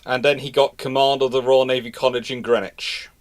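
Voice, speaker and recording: A man's voice: medium pitch, little pitch movement, fairly quick. A man hosting a casual live history discussion, telling stories emphatically in a rambling, self-correcting way. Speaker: livestream host and naval historian.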